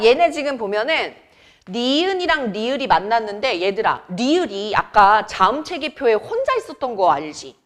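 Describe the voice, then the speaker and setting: A young woman teaching a grammar lesson to students in a chatty way, quizzing them with quick questions. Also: mid-range voice, a bit bright. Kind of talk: classroom lecture.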